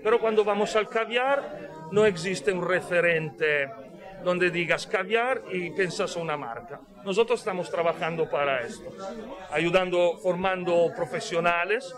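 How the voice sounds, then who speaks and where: Guy talking thru a face mask, high voice, lots of "ok?", crowd noise around. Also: a little slow. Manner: didactic, frequent tag questions. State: speaking through a face mask. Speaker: caviar company representative. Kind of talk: explaining in an interview. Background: crowd chatter.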